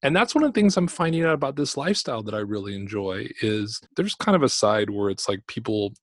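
A man's voice: fairly low pitch, sing-song, fast, no echo, studio quality. A man hosting a podcast, talking in an upbeat, chatty, conversational way. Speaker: podcast host. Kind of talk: casual interview.

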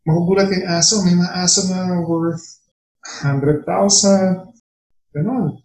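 A man's voice: high voice, fairly even intonation, measured pace, darkish tone. Echoey Filipino man, Tagalog-English mix. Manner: mixes Tagalog and English mid-sentence. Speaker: veterinarian guest. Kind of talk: casual chat, opinions and anecdotes. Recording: roomy, echoing sound.

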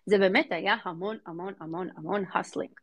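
A woman's voice: lowish voice, fairly even intonation. A woman with an Israeli accent giving casual interview answers, emphatic and informal, often repeating words for emphasis. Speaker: guest, fintech venture investor.

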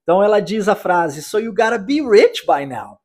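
A Brazilian man teaching an English lesson, upbeat, slowly drilling phrases for his listeners to repeat. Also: sits high, sing-song, darkish tone. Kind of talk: English lesson for Portuguese speakers.

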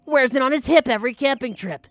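A menacing teenage bully boy, taunts in a bright, cutting voice pitched a bit high. He swaggers and sneers with false sweetness in a roleplayed radio drama. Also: quick pace, no echo, soft background music. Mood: taunting. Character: sneering, menacing fourteen-year-old male bully ruffian. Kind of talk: tabletop roleplaying audio drama.

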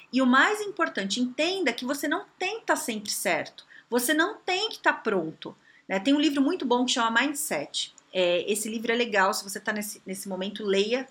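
A woman talks through career and behavior advice in a casual, conversational way. Her voice is bright and fairly high, and her pitch swings widely as she acts out quoted voices.

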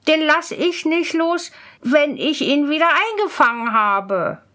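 A woman voicing a fearless, quick-witted young male student who speaks up loud and bold. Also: high voice, animated, voice pushed up, full character voice. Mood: firm. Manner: raised, bright and bold.

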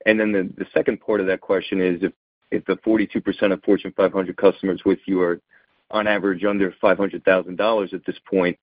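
Male financial analyst, low husky voice, polite wordy questioning, dry narrow telephone sound. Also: level tone, fast talker, dry recording. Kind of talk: earnings call question. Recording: dry, narrow phone line.

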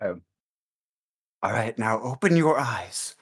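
A man's voice: mid-range voice, expressive, takes it slowly, slightly rough. A man narrating as game master in an improvised tabletop game, rambling with many ums and likes over a voice call.

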